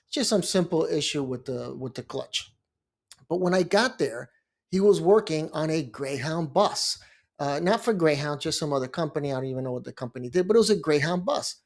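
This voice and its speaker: Fairly high-pitched and gravelly, with lively intonation, the voice of a middle-aged man from Miami, Florida, moves at a moderate pace. He is a bankruptcy lawyer and blog host, chatting casually in a rambling monologue punctuated by asides and restarts.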